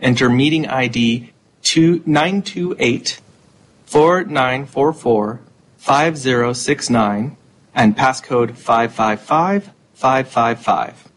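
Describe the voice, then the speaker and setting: A man from the technical staff reading out a public comment announcement and phone numbers in a hurried, matter-of-fact way. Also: medium pitch, a little hiss or hum, rough recording. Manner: rushed, reading numbers aloud.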